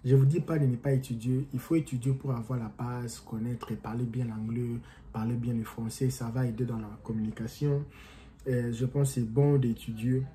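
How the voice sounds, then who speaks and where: Speaking from a small indoor room at home, this young motivational vlogger has a very dark yet mid-range voice and a moderate pace, with a little hiss or hum on the audio. He says his French accent sounds non-native, and he addresses the camera casually, gesturing, rambling and restarting with animation.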